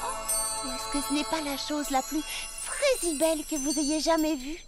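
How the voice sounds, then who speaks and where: A woman's voice: high voice, expressive, moderate pace. A woman voicing a cheerful, polite young girl, sweet and eager, in a French cartoon dub. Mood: admiring. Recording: music behind the voice.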